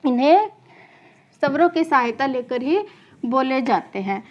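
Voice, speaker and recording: In lo-fi sound, a woman with a high-pitched, animated voice speaks a little slowly as she teaches grammar to exam students. She keeps asking questions and answering them herself, repeats key terms, and calls her students children.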